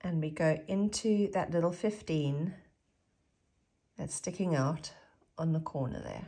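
Her tone is dark, mellow and somewhat breathy, at a fairly low pitch for a woman. She pauses long and often, with ordinary pitch variation. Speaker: beading tutor. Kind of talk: craft tutorial narration.

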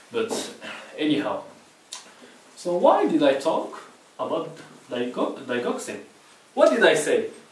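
A man with a non-native accent talks at a fairly slow pace with long, frequent pauses. Audible room echo is present. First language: not English. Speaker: physiology tutor. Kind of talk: lecture. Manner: informal, explanatory. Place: home room. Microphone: camera far.

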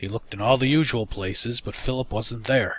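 A man with an unremarkable speaking voice talks at a moderate pace and medium pitch, with ordinary pitch variation and a quiet background. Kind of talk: horror story narration.

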